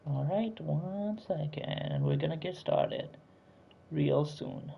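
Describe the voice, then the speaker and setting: A man with a sore throat chats on a live stream. His voice is gravelly with fry, and the sound is dull and lo-fi. He rambles with fillers and keeps begging viewers to subscribe. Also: a little high, slow. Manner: chatty, pleading for likes and subscribers, many fillers. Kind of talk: casual live-stream chat.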